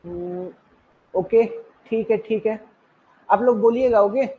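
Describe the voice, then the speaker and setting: Sounding phone-quality, the clip has a high-pitched man teaching a live online exam-prep class through his own mic in a slow, steady tone. He goes over the same points repeatedly and keeps asking whether his listeners are following.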